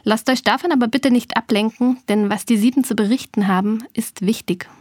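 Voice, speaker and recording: A woman's voice: a little high, fairly quick, darkish tone, no room sound. Woman host in a dry close sound. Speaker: podcast host. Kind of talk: scripted news narration.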